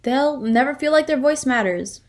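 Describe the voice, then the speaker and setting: A woman's voice: sits high, expressive, moderate pace. A woman performing scripted readers theater in an earnest, firm, explanatory manner as a fair-minded advocate. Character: fair-minded woman defending a voter's rights.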